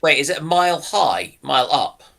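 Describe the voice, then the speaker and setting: Male panelist, slightly high pitch, bright forward tone, casual and tentative in conversation. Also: very animated, moderate pace, vocal fry. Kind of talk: casual discussion.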